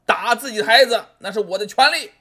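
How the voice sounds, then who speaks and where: A raging, brutish father bellows threats in a high, strained voice that swings wildly up and down, as a male storyteller acts him out. His tone is scornful and bullying, all contempt and menace. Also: very animated, normal speed, a bit bright, slightly rough, exaggerated voice. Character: furious brutish father, middle-aged man.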